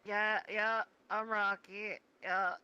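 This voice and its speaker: A man voicing a friendly, folksy, coal-eating creature in a roleplay, rambling haltingly with a gravelly edge. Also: sits high, level tone, highs cut off, exaggerated voice. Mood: folksy, easygoing. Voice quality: gravelly, sharp-edged. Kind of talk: improvised virtual reality roleplay.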